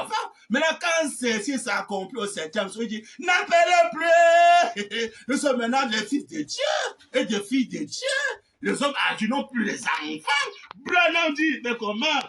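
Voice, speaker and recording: Man, preacher, shouting sermon, bright tense voice, distant mic. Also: very high-pitched, big pitch swings, moderate pace. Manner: shouting, repetitive, laughing outbursts. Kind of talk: fiery sermon.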